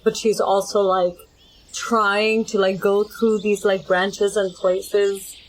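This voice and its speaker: A woman's voice: medium pitch, flat delivery, slow pace, poor audio. A woman playing a tabletop game, casually improvising what her character does and peppering it with "like".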